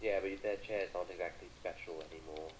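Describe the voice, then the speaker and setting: Dry-witted British man, lowish voice. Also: fairly even intonation, quick pace, noisy background. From Britain. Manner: dry teasing banter. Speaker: co-commentator on a call. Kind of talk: casual chat.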